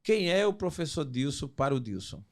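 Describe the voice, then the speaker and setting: A man's voice: on the high side, big pitch swings, moderate pace. Guy from the northeast, 50s, hosting a podcast, gushing and upbeat. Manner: effusive, warm greetings and blessings. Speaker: podcast host. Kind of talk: casual interview chat.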